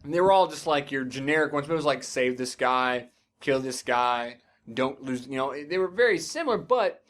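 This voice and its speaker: A man's voice: mid-range voice, expressive, normal speed, fairly bright tone. A man co-hosting a podcast, chatting casually about games in a rambling, enthusiastic and profane way. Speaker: podcast co-host. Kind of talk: casual gaming chat.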